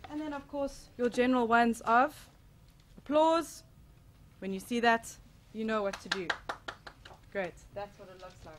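A woman gives casual live instructions to a group. Her voice sits slightly high. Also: steady tone, a little slow, pauses often, slight background noise.

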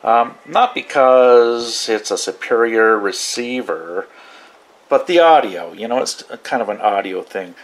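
Slow-talking male hobbyist. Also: mid-range voice, expressive. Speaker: radio hobbyist demonstrating receivers. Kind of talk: casual vlog demonstration. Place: small indoor radio desk.

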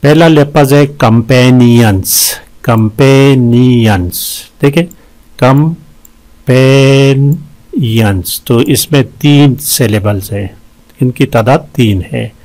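Slow gravelly man teaching vocabulary. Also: mid-range voice, a little mellow, poor audio. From Pakistan. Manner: slow, repeats each word, then gives its syllable count. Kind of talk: test-prep vocabulary lesson.

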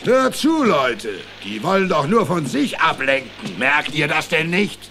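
Gravelly, scoffing animal ringleader. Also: male voice, a little high, very animated, measured pace, pushed and bright, slight background noise, exaggerated voice. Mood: scornful, bossy. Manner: scoffing, bossy. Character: scornful, blustering male animal ringleader on the Ark. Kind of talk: German children's audio drama acting.

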